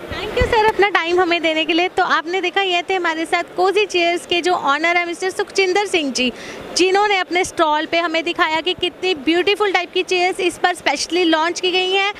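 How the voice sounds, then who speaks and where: High-voiced upbeat woman TV reporter. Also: fairly even intonation, brisk, fairly bright tone, slight background noise. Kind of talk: expo stand interview and piece to camera. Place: busy indoor expo hall. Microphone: handheld mic.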